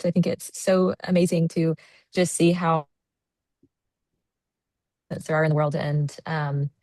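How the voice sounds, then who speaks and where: An American woman in her thirties talks warmly and loosely on a video call, full of "um"s and "like"s. She is short on sleep, and her voice sits low and dry. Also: fairly even intonation, slow, no echo. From United States. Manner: chatty, friendly, many fillers. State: sleep deprived. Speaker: guest presenter. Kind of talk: online presentation.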